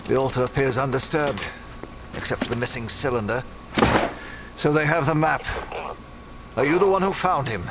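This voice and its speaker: A man playing a cruel, pompous wealthy collector, a villain speaking with deliberate menace in an audio drama. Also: mid-range voice, heavy background noise, natural voice. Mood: cold interrogation.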